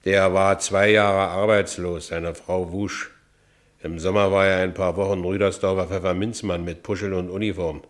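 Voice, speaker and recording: A man's voice: low voice, little pitch movement, normal speed, close to an everyday voice. A man playing a working-class Berlin ex-convict determined to go straight, narrating his own story in a radio drama with a Berlin accent. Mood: matter-of-fact. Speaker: narrator and lead character.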